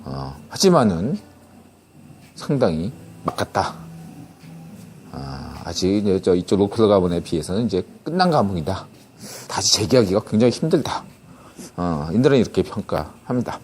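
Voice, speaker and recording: Man, middle-aged, podcast host, lively intonation, casual explanatory monologue, frequent restarts. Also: low-pitched, normal speed, pauses often, slight background noise. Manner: conversational, many restarts and rhetorical checks like "예?".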